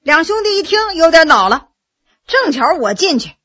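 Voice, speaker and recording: A woman voicing a witty middle-aged male court scholar who tells jokes in an unhurried, sly way. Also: very high-pitched, big pitch swings, bright, forceful tone, muffled recording, voice pushed up, heavily acted. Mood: amused.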